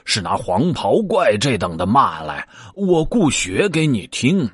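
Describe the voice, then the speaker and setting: A sly pig disciple coaxes and pleads, stumbling over fillers, as a man voices him. He talks slowly with a husky voice that rises and falls a lot. The recording is dry. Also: medium pitch, very animated, a bit bright, no room sound, exaggerated voice. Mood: coaxing. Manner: coaxing, pleading, hesitant fillers.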